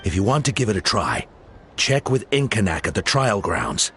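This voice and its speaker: Earnest, expressive fantasy tribal leader. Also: male voice, fairly low pitch, slight background noise. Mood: solemn. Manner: deliberate, earnest. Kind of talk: video game character dialogue.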